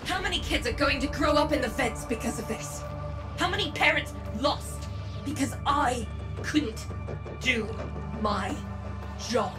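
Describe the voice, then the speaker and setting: A woman's voice: high-pitched, expressive, a little slow, pauses often, over music. A woman playing an earnest, burdened workers' leader in a video game, speaking with determination. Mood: guilty, weary. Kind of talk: video game dialogue acting.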